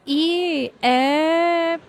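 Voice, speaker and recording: Mulher de voz aguda com sotaque latino-americano de fala espanhola. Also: female voice, very high-pitched, very slow, crowd noise. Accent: Spanish-speaking Latin American. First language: Spanish. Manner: hesitant, many fillers, mixes in Spanish grammar. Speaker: guest, developer relations lead. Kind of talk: casual interview chat. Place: event podcast set.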